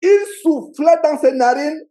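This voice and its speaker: A man's voice: very high voice, measured pace, warm tone. A pastor with a Cameroonian French accent preaching a sermon to a congregation, emphatic and repeating his key phrases, with call-and-response. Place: church meeting.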